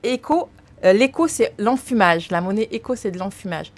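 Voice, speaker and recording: A woman's voice: mid-range voice, lively intonation, normal speed. A woman in her thirties co-hosting a radio talk show, pressing the guest with questions at a studio mic. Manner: pushes the guest with questions, teasing. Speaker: radio co-host. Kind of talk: casual studio chat. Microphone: studio mic on boom, headphones.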